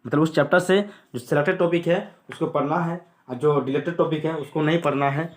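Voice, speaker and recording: A man's voice: on the high side, a little fast. A man going through a school syllabus on screen, repeating what to study and what to skip in a plain explanatory way. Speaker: teacher.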